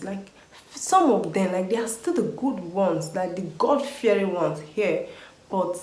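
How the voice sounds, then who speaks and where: A woman's voice: fairly low pitch, roomy sound, slight background noise, low-quality recording. A Nigerian woman vlogger with a Nigerian accent, ranting in a scolding way and firing rhetorical questions at her viewers. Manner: exasperated scolding, rhetorical questions, lively pidgin phrases. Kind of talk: casual vlog rant.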